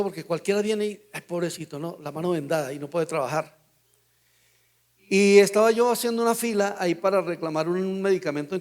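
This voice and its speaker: An older man with a Colombian Spanish accent, a pastor teaching a Bible study through lively anecdotes with acted-out dialogue. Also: high-pitched. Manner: storytelling, acts out dialogue in quotes.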